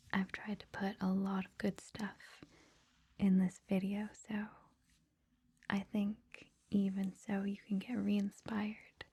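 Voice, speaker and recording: Slow, breathy whispering ASMR woman. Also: mid-range voice. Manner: gentle, reassuring, informal. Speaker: ASMR host introducing a meditation series.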